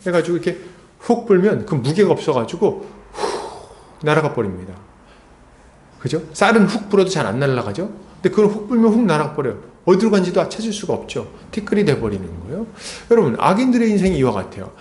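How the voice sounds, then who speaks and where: Lively pastor preaching in an echoey hall. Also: male voice, a little high, quick pace. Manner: lively, conversational preaching with rhetorical questions and acted-out asides. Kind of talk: expository sermon. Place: church sanctuary.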